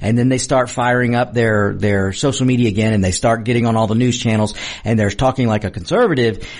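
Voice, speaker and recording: A man's voice: medium pitch, steady tone, brisk, darkish tone. A man hosting a talk radio show in a casual, opinionated monologue, speaking straight to listeners and repeating phrases for emphasis.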